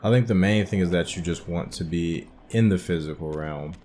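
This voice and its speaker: A man's voice: low-pitched, normal speed, dark tone, a little hiss or hum. A man doing casual let's play commentary, musing and thinking aloud as he works through a video game. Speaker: gamer narrating a playthrough.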